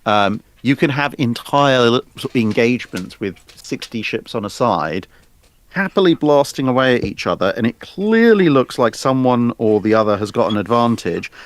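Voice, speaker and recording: Guy with an average pitched voice, co-hosting a casual history chat, jokey storyteller type. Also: lively intonation, moderate pace, dry recording. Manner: jokey storyteller, acts out mock announcements. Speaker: co-host commenting on naval history.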